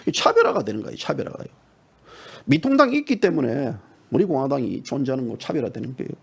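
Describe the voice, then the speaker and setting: A middle-aged man giving heated, mocking partisan political commentary, dropping to low mutters and jumping to sudden high shouts. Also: huge pitch swings, fast, gravelly, husky.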